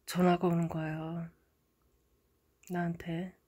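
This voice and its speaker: Husky, low-voiced middle-aged woman. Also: flat delivery, takes it slowly. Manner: dramatic, swings from hushed murmurs to loud outbursts. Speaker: channel host interpreting a dream. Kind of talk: casual storytelling monologue.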